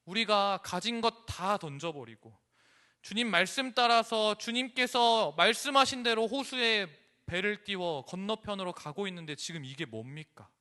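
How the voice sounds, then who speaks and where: A man's voice: high-pitched, moderate pace, pushed and bright, in a large hall, pitched above the performer's own voice. A male preacher voicing frightened, angry disciples who scold their teacher during a storm. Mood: indignant. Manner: indignant, reproachful pleading.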